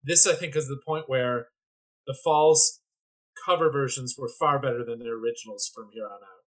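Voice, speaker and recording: A man's voice: mid-range voice, normal speed, low-quality recording. A man guest on a music podcast, rambling and searching for titles in casual chat.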